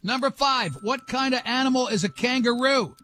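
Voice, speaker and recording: A middle-aged man hosting a radio show, bantering and running a quick quiz in a teasing, jokey way. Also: very high voice, pushed and bright. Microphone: studio microphone.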